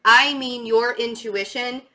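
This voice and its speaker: A slightly high, steady voice, bright and forceful, belongs to a middle-aged woman giving viewers a spiritual tarot reading. Her delivery is casual, emphatic, and halting, marked by a slight stammer and words repeated for stress.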